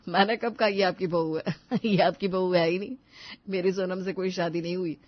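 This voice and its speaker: A woman voicing a patient young man who reasons with his mother in an animated story. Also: fairly low pitch, moderate pace, dry recording, lo-fi sound, natural voice. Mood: reasoning. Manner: calm, reasoning, placating. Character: grown son, patient young husband.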